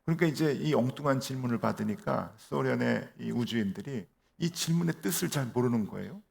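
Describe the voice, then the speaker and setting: 중년 남자 목사가 교회에서 "어" 같은 추임새와 반문을 섞어 가며 이야기를 들려주듯 설교한다. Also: male voice, medium pitch, animated, brisk, gravelly, darkish tone. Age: middle-aged. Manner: storytelling with fillers and rhetorical questions. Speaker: pastor. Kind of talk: sermon. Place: church.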